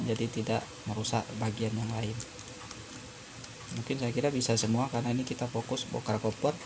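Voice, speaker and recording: A man with a slightly low, flat voice presents a hands-on tutorial. He explains step by step, haltingly, with frequent pauses. Clear background noise runs behind him in a homemade-sounding recording. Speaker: phone repair tutorial presenter. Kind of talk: informal hands-on tutorial narration.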